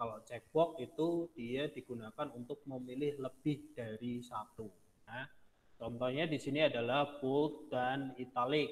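A man with a Javanese accent talks at a very slow pace and a fairly high pitch, with ordinary pitch variation. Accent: Javanese accent in Indonesian. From Java, Indonesia. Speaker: university lecturer. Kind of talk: lecture. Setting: online class with screen share. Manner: casual, with filler words. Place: home room. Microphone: webcam.

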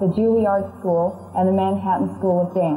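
A woman's voice at a moderate pace with fairly even intonation, with audible room echo and faint music in the background. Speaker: presenter. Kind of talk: reading an obituary aloud. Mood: calm, respectful. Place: hall.

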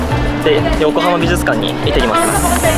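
Loud music plays in the background as a man talks at a fairly slow pace. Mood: cheerful, impressed. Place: street. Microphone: phone near.

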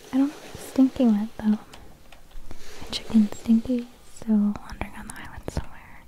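A woman whispers at a moderate pace. Her tone is relaxed. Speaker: ASMR content creator. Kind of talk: soft-spoken gaming ASMR talk to camera. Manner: soft-spoken, relaxed. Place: home room.

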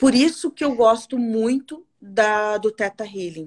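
Over a quiet background, a woman speaks at a very slow pace. Her pitch is fairly high. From southern Brazil, Rio Grande do Sul (São Leopoldo); Rio Grande do Sul, Brazil. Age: 30s. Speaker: holistic therapist; interview guest. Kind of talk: casual interview. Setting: remote video call. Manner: loud. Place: home room.

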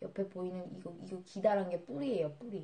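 A woman is speaking. Her pace is moderate. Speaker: live streamer. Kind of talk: casual livestream chat explaining her fish and plant. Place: home room.

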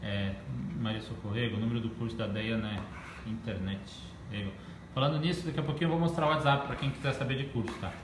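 Long, frequent pauses break up very fast speech, with noticeable background noise and audible room echo. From Florianópolis area, southern Brazil. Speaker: livestream assistant reading comments. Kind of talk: live chat reading. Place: kitchen. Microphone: phone near.

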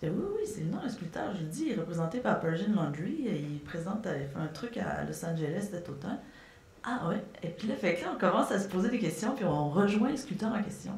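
A woman's fairly quick, lively-toned speech with audible room echo. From Quebec. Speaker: journalist. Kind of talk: panel talk. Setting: stage with audience. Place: hall.

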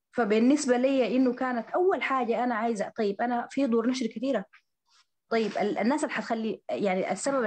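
A woman speaks in an ordinary speaking voice at a fairly high pitch. Her pace is fairly quick, with ordinary pitch variation. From Sudan, Gezira state; Sudan. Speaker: novelist and publisher; guest. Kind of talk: interview. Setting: online seminar. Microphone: video call.

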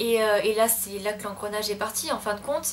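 A woman talks at a fairly slow pace over light background noise. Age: 20s. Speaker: vlogger. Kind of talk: casual talk to camera. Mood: serious, reflective, a bit hesitant. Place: home room. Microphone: webcam.

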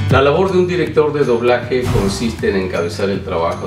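Clear music plays in the background. Over it, a man talks at a fairly quick pace with lively intonation. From Peru. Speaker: dubbing director and voice actor. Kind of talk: interview answer about his craft, explanatory talk. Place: home room.

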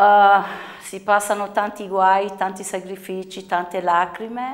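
A woman speaks at a medium pitch. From Apulia, Cassano delle Murge; Apulia, Italy. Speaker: Italian community organizer; guest. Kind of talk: interview. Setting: studio. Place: studio.

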